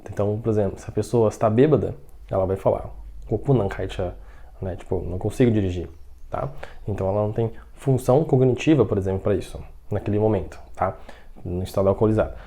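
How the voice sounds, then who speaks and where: A man teaching a language lesson with a Brazilian Portuguese accent. He explains patiently, keeps checking in with the learner, and slows right down to model example sentences. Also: lowish voice, warm tone. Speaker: Mandarin teacher.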